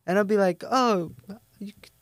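A woman in casual conversation, talking in a halting, reflective way with filler words. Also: medium pitch, dry recording, clean studio sound. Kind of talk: casual chat.

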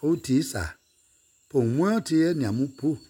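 A man's voice: on the high side, animated, unhurried, warm tone, husky. A man singing or chanting in a repetitive way, returning again and again to short refrains. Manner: repeats short refrains over and over.

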